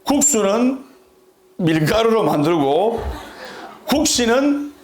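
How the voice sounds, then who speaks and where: A man's voice: sits high, big pitch swings, slow pace, a little mellow, echoey room, a little hiss or hum, pitched above the performer's own voice, exaggerated voice. A man telling a joke in a sermon, voicing a learned professor who gives playful answers. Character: joking, learned male professor.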